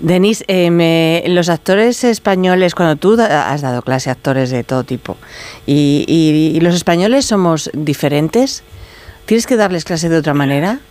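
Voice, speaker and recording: A man hosting a radio show who directs the conversation and asks his own questions in a quick, playful way. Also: on the high side, a little mellow. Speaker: radio host. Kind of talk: radio interview moderating.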